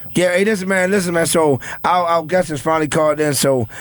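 On a very clean recording with a silent background, a man talks at a very fast pace and fairly high pitch. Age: 30s. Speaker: radio host and DJ. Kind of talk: casual chat. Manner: animated.

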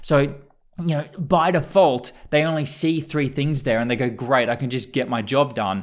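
At a moderate pace, a man speaks at fairly high pitch with ordinary pitch variation. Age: 30s. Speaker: software developer podcaster. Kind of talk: solo podcast monologue. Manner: rambling, casual with fillers.

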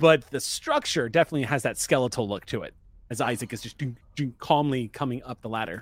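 A man talks in an unremarkable speaking voice at a medium pitch, with big swings in loudness. The recording is very clean, with a silent background. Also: ordinary pitch variation. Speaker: game master. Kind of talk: tabletop role-play live stream. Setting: live stream.

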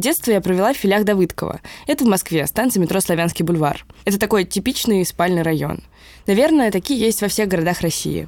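A woman with a plain, everyday voice speaks at a fairly quick pace, medium pitch, and lively intonation on a very clean recording with a silent background. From Moscow, Russia. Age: 20s. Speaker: podcast host, journalist. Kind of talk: scripted narration.

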